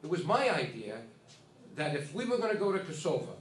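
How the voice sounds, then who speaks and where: A man's voice: on the high side, sing-song, fairly quick. Emphatic male ceremony speaker, off the cuff, recorded from afar in a roomy hall with faint hiss. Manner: emphatic, repeats himself, talks to the audience. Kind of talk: informal speech at a ceremony. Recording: echoey hall, distant mic, faint hiss.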